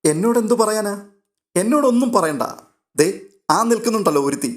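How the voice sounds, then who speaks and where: A fond young woman, tender and teasing with the people she loves, as a male reader puts her on. Her voice sits well above a man's usual register and stays lively. She comes from a read-aloud audio novel. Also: sits high, brisk, pitched above the performer's own voice.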